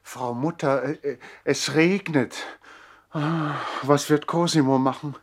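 A man's voice: fairly high pitch, fairly even intonation, slow pace, voice pushed up. A man playing an anxious, dutiful young noble boy in a German radio play from the 1960s. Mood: worried. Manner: hesitant, worried, respectful.

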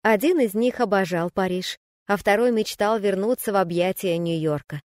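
A woman narrates an audiobook memoir in the first person, calm and reflective. Her voice sits at an ordinary middle pitch. The recording is dry and close, with no room sound. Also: moderate pace, no echo. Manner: calm, even, reflective reading.

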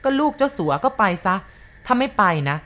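A woman voicing a stern village exorcist who speaks firmly and deliberately in a spoken ghost story. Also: mid-range voice, a little mellow, close to an everyday voice. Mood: threatening. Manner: firm, commanding, slow and deliberate.

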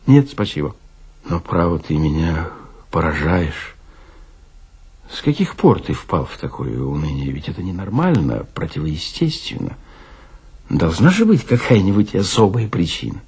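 A concerned, disbelieving friend voiced by a man presses for answers in a literary radio play. He is low and husky, with a questioning, incredulous way of talking. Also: big pitch swings, moderate pace, a little mellow, heavily acted. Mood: astonished. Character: puzzled, probing old friend of a café drinker.

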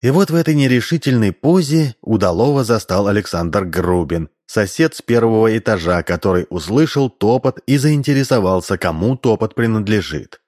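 Low-voiced male audiobook narrator. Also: lively intonation, moderate pace, few pauses, a little mellow. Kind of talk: scripted narration.

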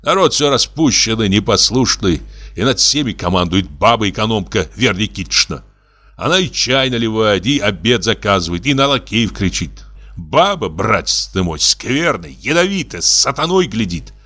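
A man's voice: animated, normal speed, pushed and bright. A man reading a classic story aloud in a theatrical way, pushing his voice up and down for emphasis. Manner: theatrical, swinging pitch for emphasis. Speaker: audiobook reader. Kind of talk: expressive literary reading.

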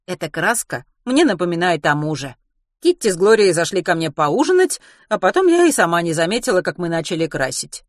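An easygoing, kindly housewife from an audiobook, played by a female narrator. She talks casually with lively, varied intonation. The sound is dry. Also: lowish voice, brisk, no room sound.

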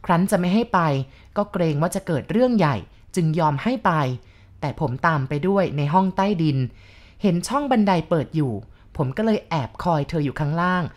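A woman narrating a first-person ghost story in a steady, even reading voice. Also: lowish voice.

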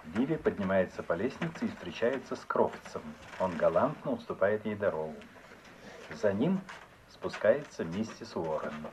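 A male narrator reads stage action for a radio drama. His voice is fairly low and moves expressively in pitch. The 1950s recording has faint hiss. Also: lively intonation, normal speed. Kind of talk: scripted narration of a radio play.

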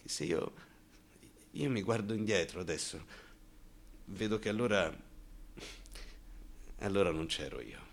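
An actor playing an anxious, bitter gay man recalling his frightened youth in a halting, confiding theatrical radio monologue. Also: low voice, vocal fry, exaggerated voice. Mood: anxious, wistful. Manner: confiding, halting and repetitive, breaking into bitter outbursts.

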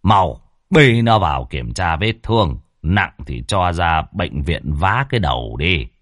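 A low, gruff old village exorcist speaks slowly and with authority, voiced by a man. His voice stays deep and unhurried in a dry, close storybook reading. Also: big pitch swings, fairly bright tone, dry recording, heavily acted. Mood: stern. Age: older. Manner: slow, gruff, commanding.

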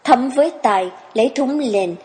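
A woman narrating a dramatic story reading, measured and smooth. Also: high-pitched, lively intonation, dark tone. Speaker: story reader.

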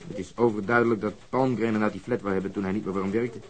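An actor playing a blunt, assertive police detective reasoning through a case in a naturalistic radio drama. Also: male voice, fairly low pitch, fairly even intonation, racing, close to an everyday voice. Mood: convinced, indignant.

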